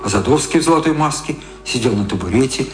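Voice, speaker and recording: A man's voice: mid-range voice, lively intonation, fast. A man reading scripted narration for a radio drama. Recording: roomy echo. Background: music.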